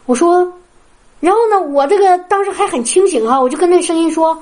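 High-pitched woman from china preaching, earnest storytelling testimony, keeps asking the room if they agree. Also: fairly quick, darkish tone. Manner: earnest, storytelling, addresses listeners directly. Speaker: preacher at a healing prayer meeting. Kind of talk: sermon with personal testimony.

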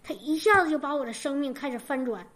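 A woman's voice: high voice, fast talker, a bit bright. A woman preaching a sermon and giving her personal testimony, fervent, repeating key phrases for emphasis, often stammering and restarting.

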